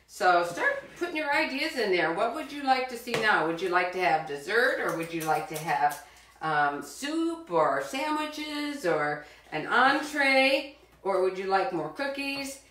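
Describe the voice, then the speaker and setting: A woman's voice: medium pitch, very animated, unhurried, fairly bright tone. Chatty woman in a roomy kitchen. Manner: chatty and encouraging, talks straight to kids. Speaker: cooking show host for children. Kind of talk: live cooking demonstration. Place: home kitchen. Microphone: far camera. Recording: roomy kitchen sound from a distance.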